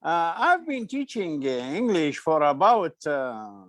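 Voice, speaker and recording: An older man with an Iraqi accent, a retired English teacher, introducing himself haltingly with long hesitations in an online group lesson. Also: fairly high pitch, sing-song, fairly bright tone, no room sound, studio quality. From Iraq.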